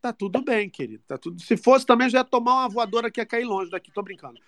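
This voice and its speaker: A man's voice: very high-pitched, expressive, fast talker, fairly bright tone, dry recording. A man hosting a live call-in talk show, chatting playfully and teasing his callers with affection. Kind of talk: casual live call-in chat.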